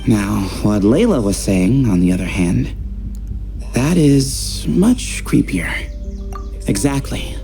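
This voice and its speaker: A man's voice: medium pitch, warm tone. A man playing an easygoing young friend in a video game, casual, playful and fond of teasing.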